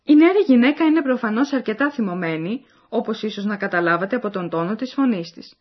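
A woman's voice: on the high side, lively intonation, husky. A woman reading the scripted narration of a language course, explaining and addressing the listeners. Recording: dull lo-fi recording.

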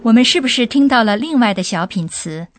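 A woman hosts a radio language lesson, inquisitively prompting the professor with questions and offering examples. Her voice is a little high, with lively intonation and a fairly quick pace.

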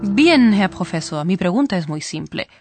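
A woman hosting a scripted language lesson, explaining clearly to listeners. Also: fairly low pitch, sing-song, normal speed, over loud music. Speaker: host.

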